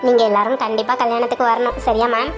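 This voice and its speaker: A woman's voice: fairly high pitch, flat delivery, quick pace, voice pushed down, close to an everyday voice. A woman voicing a shy, polite young woman who speaks bashfully. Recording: soft music underneath.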